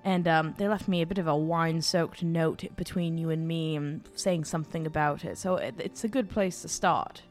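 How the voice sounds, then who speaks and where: A woman's voice: low-pitched, fairly even intonation, normal speed, few pauses, faint music behind, lightly acted. Casting: woman doing sly flirt, sugary and coaxing, calls everyone darling. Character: scheming flirtatious woman, sweet-talking.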